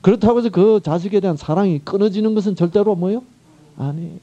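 A male pastor preaching a sermon, constantly quizzing the congregation with questions and swinging from loud calls down to whispers, on a muffled recording. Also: high voice, quick pace. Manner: call-and-response questions to the congregation.

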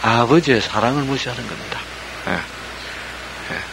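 A man's voice: mid-range voice, moderate pace, vocal fry, a little hiss or hum, low-quality recording. A man preaching a sermon, constantly asking the congregation questions and answering them himself. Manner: animated, asks listeners rhetorical questions constantly. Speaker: pastor. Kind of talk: sermon with call-and-response questions.

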